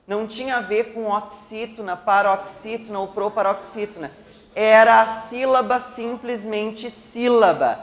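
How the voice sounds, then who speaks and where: A woman's voice: fairly high pitch, measured pace. A woman leads an exam-prep lesson, taking her time over every word and often stopping to ask the class a question. Her voice rings out in an echoey room. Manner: explains step by step, asks students questions. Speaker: teacher.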